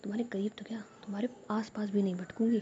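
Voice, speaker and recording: A woman's voice: medium pitch, fairly even intonation, quick pace, mellow, highs cut off, slight background noise, natural voice. A woman voicing a caring but short-tempered young woman who answers with teasing, exasperated retorts.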